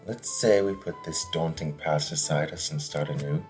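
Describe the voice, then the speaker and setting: A man playing a courteous, solemn lord in an audio drama, speaking formally and with measured care. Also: a bass voice, darkish tone, soft background music. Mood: solemn, conciliatory.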